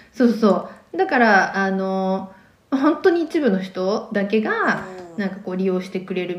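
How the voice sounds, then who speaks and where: With audible room echo, the speaker moves at a moderate pace using lively intonation. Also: woman. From Japan, Shizuoka. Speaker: startup founder and CEO. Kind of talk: interview.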